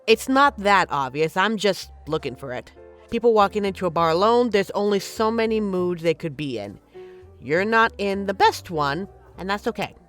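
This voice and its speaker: A woman's voice: medium pitch, expressive, moderate pace, fairly bright tone, faint music behind, lightly acted. A woman playing a flirty, teasing but caring bartender in an intimate, conversational audio roleplay. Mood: flirty, reassuring. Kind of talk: intimate scripted roleplay, ASMR-like.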